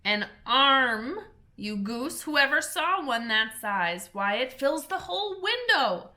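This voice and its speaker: A woman voicing a fussy, anxious male white rabbit who squeaks and scolds in a high, frantic voice. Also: sing-song, slow pace, bright, forceful tone, exaggerated voice. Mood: scornful.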